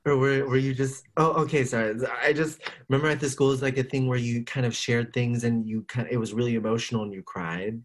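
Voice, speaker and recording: Young male co-host, mid-pitched, candid and emotional, quick to laugh. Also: flat delivery. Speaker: podcast co-host. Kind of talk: casual chat.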